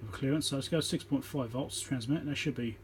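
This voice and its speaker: A man with a mid-range voice talks briskly through a hands-on repair, keeping it informal and matter-of-fact as he thinks aloud. He's an electronics repairer demonstrating, filmed on a tripod-mounted phone, with slight background noise.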